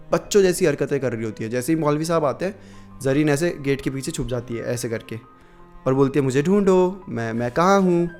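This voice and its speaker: Male horror narrator, mid-pitched, casual and chatty. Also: darkish tone. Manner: conversational, many fillers. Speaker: horror storyteller.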